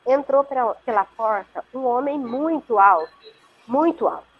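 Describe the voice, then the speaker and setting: Casting: Brazilian woman, slightly high and airy, storytelling guest, muffled call audio. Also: animated, measured pace, breathy edge. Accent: Brazilian Portuguese. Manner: earnest, vivid, checks in with the listener often. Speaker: interview guest. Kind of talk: conversational storytelling. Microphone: video call.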